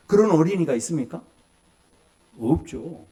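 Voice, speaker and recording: A pastor in his forties preaches a sermon in a higher-leaning voice at a moderate pace. He tells lively stories, acting out children and adults in little voices, and puts questions to the congregation.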